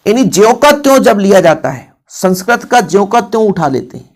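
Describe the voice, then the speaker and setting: A male teacher going through exam questions with his students, his voice pitched high with a gravelly, creaky edge. He repeats each example and leans hard on the important words. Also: very animated, fairly quick. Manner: explains by repeating examples, calls students "बच्चों"; stresses key words loudly. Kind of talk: exam-prep grammar lesson.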